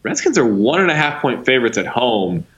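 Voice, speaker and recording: A man's voice: mid-range voice, sing-song, fairly quick, fairly bright tone, dull audio. A man co-hosting a casual sports podcast, ranting and exasperated, swearing now and then. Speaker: podcast co-host.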